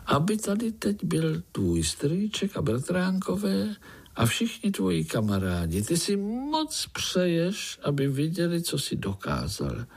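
A man's voice: fairly high pitch, wildly swooping pitch, breathy edge, pitched above the performer's own voice, exaggerated voice. A man voicing a proud golden fairy fly. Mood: knowing. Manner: haughty, matter-of-fact. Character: proud magical golden fly, female, calm.

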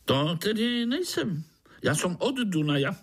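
A man's voice: sits high, sing-song, breathy edge, voice pushed up, exaggerated voice. A man voicing a boastful, bloodthirsty, jovial male mosquito with a Slovak accent, who keeps calling the listener sonny. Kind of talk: storybook reading.

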